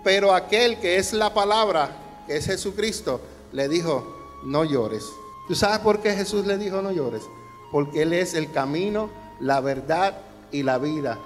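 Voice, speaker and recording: High-voiced male pastor preaching in a hall. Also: expressive, unhurried. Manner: preaching with rising emphasis and rhetorical questions to the congregation. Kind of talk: sermon. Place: church hall. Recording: long hall reverb with faint music.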